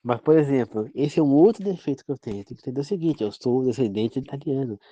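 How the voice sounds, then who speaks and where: A man's voice: mid-range voice, expressive, fast, warm tone, dry recording. A man from Brazil giving an informal, rambling sermon-style talk as a preacher, often checking "entendeu?" with his listeners. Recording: dull, dry, lo-fi sound.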